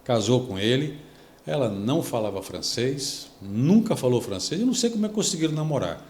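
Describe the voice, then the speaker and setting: A Brazilian man, a pastor, telling a story on a devotional podcast, lively and acting out the people he quotes. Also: medium pitch, fairly quick, echoey room. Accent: Brazilian Portuguese. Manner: animated storytelling, acts out quoted speech.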